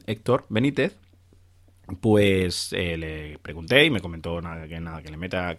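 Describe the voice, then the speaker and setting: A man's voice: fairly low pitch, no room sound, clean studio sound. A man from hosting a podcast, casually demonstrating a phone with chatty enthusiasm. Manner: chatty, many fillers and restarts, enthusiastic. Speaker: podcast host. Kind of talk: casual tech demo.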